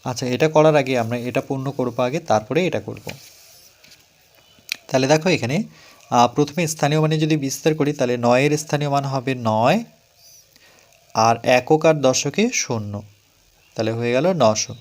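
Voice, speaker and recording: In a school math class, a man whose voice sits mid-range goes over each step and repeats the figures slowly. He throws questions to the students before answering them himself.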